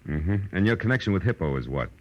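An actor playing a tough, wry private detective in a 1940s radio noir drama, clipped and world-weary. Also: male voice, sits low, expressive, fast, highs cut off. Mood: businesslike. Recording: vintage 1940s radio recording.

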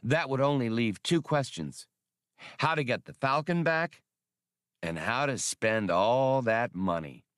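A man's voice: medium pitch, expressive, measured pace, fairly bright tone, smooth, no room sound. Male narrator as cocky starship pilot, smuggler, pragmatic, direct, space-opera audiobook, dry recording. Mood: wry, questioning.

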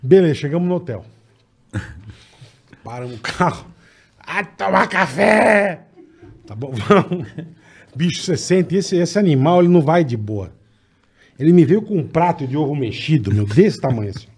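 A Brazilian man with a husky, slightly high voice spins a rowdy anecdote among friends. He is animated and profane, with lots of slang in a loose, casual chat. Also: a little fast, long pauses. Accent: Brazilian Portuguese. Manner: animated, profane, laughing storyteller.

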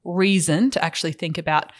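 A podcast co-host explaining finances in a steady, measured way with some filler words. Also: medium pitch.

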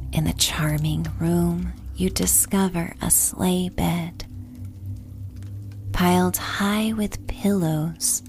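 A woman reads a sleep story at an extremely slow, unhurried pace. Her voice is fairly low and breathy, close to a whisper. She leaves gentle pauses between phrases, with music playing behind her. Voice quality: soft, breathy, half-whispered. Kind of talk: sleep story narration, scripted and soothing.

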